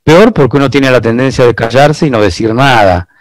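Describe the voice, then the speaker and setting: A man, a guest expert giving long, measured explanations in an interview, full of rhetorical asides. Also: medium pitch, no room sound. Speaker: guest expert on biological decoding.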